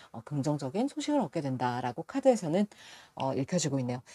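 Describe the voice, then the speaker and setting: Pitch swings very widely across a dark, mellow tone. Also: woman, dry, close sound with no echo. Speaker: tarot reader. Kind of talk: tarot reading monologue. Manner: halting, many fillers.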